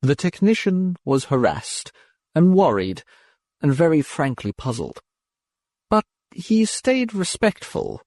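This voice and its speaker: A man narrates literary fiction in a measured, expressive way. His pitch sits in the middle of the male range. The sound is close and dry, with no room to it. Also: no echo. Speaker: audiobook narrator. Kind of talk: scripted narration of a science fiction short story.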